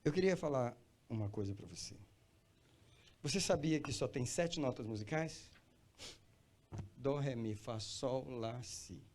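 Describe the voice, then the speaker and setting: A pastor preaching in church, swinging from quiet talk to loud, high cries and calling listeners brother. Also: male voice, animated, a little slow, long pauses. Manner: addresses listeners as brother, repeats phrases for emphasis. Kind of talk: sermon.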